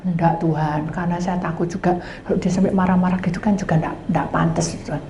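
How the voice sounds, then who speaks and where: A woman's voice: on the low side, fast, highs cut off. A middle-aged woman pastor, telling a sermon story and acting out each side of the conversation, sometimes dropping to a whisper. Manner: animated storytelling, acting out both sides of conversations, drops to whispers. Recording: echoey room with faint background noise.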